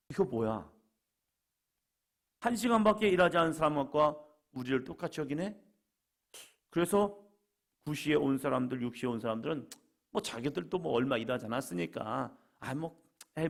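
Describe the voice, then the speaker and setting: A man preaching a sermon as pastor, reading scripture slowly and acting out the voices of grumbling workers. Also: medium pitch, vocal fry. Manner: acts out the workers' grumbling voices, swinging between loud outbursts and hushed lines; reads scripture slowly and solemnly. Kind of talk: sermon at a daily prayer meeting.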